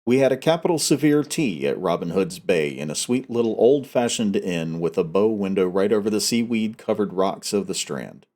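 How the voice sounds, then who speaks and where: A man's voice: low-pitched, darkish tone. A man hosting a novel read-aloud, talking casually and reading in an audiobook style. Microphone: headset.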